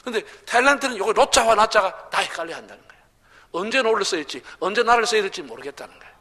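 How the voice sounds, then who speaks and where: A man's voice: high voice, animated, fast, bright, forceful tone. A man preaching at a revival meeting with a Gyeongsang accent, chatty and humorous, joking with the congregation. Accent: Gyeongsang Korean. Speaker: pastor. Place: large church sanctuary. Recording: reverberant church hall.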